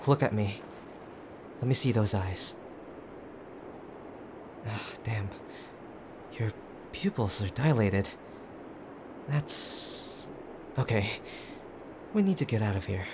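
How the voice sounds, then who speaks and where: A man playing a gruff, teasing tsundere boyfriend who is frightened and tender underneath, in an intimate audio drama with brusque, halting urgency. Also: mid-range voice, close to an everyday voice. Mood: urgent, gruff. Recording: clear background ambient noise.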